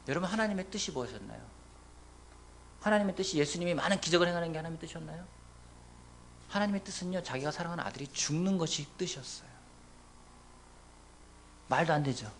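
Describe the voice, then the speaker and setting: Animated high-voiced male pastor. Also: a little fast, long pauses, a little hiss or hum. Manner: animated, swings between loud exclamations and near whispers. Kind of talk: sermon. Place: church sanctuary.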